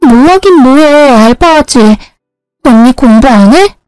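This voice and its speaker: A woman doing a high-voiced earnest little sister. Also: lively intonation, measured pace, a little mellow, clear, resonant tone, dry recording, faint music behind, poor audio. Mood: defensive.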